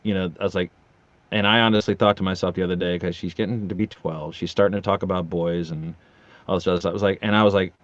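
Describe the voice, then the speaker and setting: A man's voice: low voice, steady tone, quick pace. A middle-aged man chatting casually as a podcast guest, telling personal anecdotes in an earnest, joking way. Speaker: podcast guest, voiceover artist. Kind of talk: casual conversational storytelling. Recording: roomy, slightly dull lo-fi connection.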